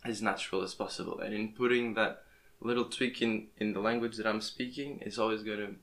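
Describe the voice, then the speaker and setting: A young man whose first language is Portuguese talks casually into his podcast microphone. His voice sits low and stays flat, and he often stumbles and restarts his words as he goes. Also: fairly quick. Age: young adult. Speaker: podcast host. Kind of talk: casual interview chat. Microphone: plugged-in podcast microphone.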